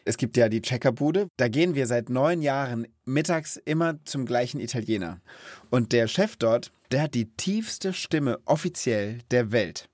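A man hosting a podcast in lively casual chat, eager, exclaiming and laughing often. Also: medium pitch, normal speed, no room sound. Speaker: podcast host.

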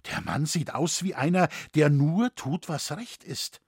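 A man's voice: a little high, lively intonation, measured pace, a little mellow, slightly rough, dry recording, clean studio sound, heavily acted. A man reading an audiobook, voicing an innocent young noble daughter who pleads earnestly.

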